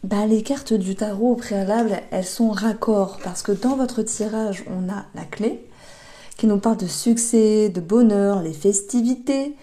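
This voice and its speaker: A woman giving a monthly tarot reading, talking gently with many hesitations and restarts. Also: mid-range voice, unhurried. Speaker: tarot reader.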